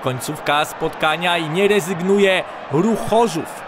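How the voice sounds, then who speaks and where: Male highlights commentator, high voice, crowd roar underneath, rises to shouts on chances. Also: slow pace. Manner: calm narration breaking into shouts on chances. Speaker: sports commentator. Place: voice-over over stadium crowd sound. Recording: loud crowd and field noise underneath. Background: stadium crowd and noise.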